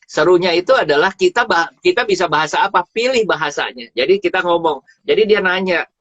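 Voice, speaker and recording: A man giving a casual, animated talk about travel on a live stream, often repeating words for emphasis. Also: high-pitched, a little fast, no echo. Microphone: phone or live stream mic. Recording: dull dry live stream audio.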